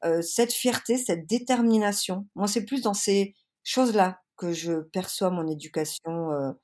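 This Frenchwoman has a medium-pitched, unhurried voice with a touch of mellowness. Nursing a slight cold, she answers earnestly yet haltingly as the guest in a relaxed interview.

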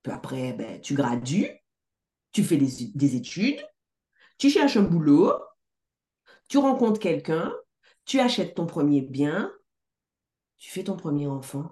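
A middle-aged woman success coach talking in a casual interview, emphatic and animated, swearing now and then. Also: low voice, takes it slowly, long pauses. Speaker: success coach, podcast guest.

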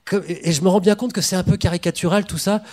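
A man's voice: high-pitched, fairly even intonation, quick pace, darkish tone. A man hosting and moderating a panel of historians, chatty, with self-deprecating asides. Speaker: host, moderator. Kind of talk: panel discussion.

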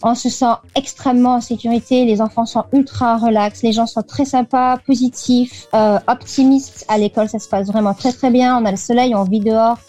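A woman's voice: on the high side, fairly even intonation, moderate pace, few pauses, warm tone, no room sound, faint music behind. A French woman in her thirties chatting as an interview guest, with lots of fillers and restarts. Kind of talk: casual radio interview over a call.

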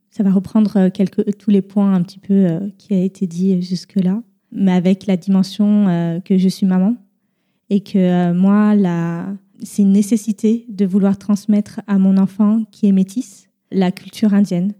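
A young woman from France and a mother, talking casually on a podcast, halting with many fillers. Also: mid-range voice, level tone, warm tone. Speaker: podcast guest. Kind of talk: casual round-table chat.

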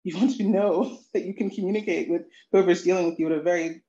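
An earnest, reflective adult student describes her language lessons at a middle pitch. The sound is roomy and echoey, and a little dull. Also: fairly even intonation, fast, dark tone. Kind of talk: interview. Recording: echoey, muffled lo-fi audio.

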